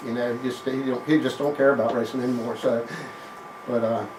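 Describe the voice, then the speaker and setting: A man with an American accent speaks at a very fast pace. Noticeable background noise runs underneath. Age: 60s. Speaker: racing guest. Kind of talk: casual chat.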